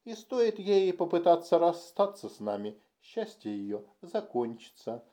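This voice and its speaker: A man voicing a timid but cunning alien puppeteer in an audiobook, speaking in a calm, precise, scheming way. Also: fairly high pitch, measured pace, pitched above the performer's own voice. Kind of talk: audiobook character voice.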